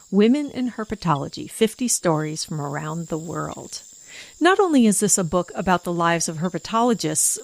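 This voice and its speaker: A woman hosting a podcast, giving a scripted, measured introduction. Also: fairly low pitch, poor audio. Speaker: podcast host. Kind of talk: scripted narration.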